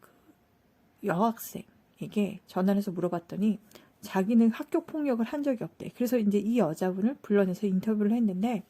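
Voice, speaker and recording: A woman with a husky, mellow voice retells a story in a loose, chatty way. She fills her talk with small fillers and slips into the quoted lines as she goes. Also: medium pitch, brisk. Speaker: channel host. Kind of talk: casual retelling of a TV case.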